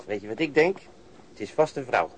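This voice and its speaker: A man's voice: mid-range voice, animated, brisk, slightly rough, rough recording. An actor in a Dutch radio drama playing a lazy, griping patrol policeman.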